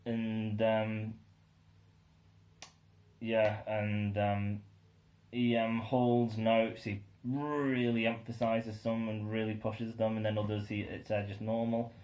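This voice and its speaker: A young man with a somewhat low-pitched voice reviews an album track by track. He rambles, leaning on um and uh between thoughts, and sounds keen about what he hears. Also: level tone, takes it slowly, a little mellow. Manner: rambling, many ums and uhs, enthusiastic. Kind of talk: casual spoken album review.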